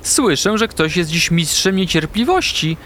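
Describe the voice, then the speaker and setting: A man voicing a kind, wise female owl who explains things gently and patiently in a children's story. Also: fairly high pitch, sing-song, a little slow, slight background noise, exaggerated voice. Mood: gentle.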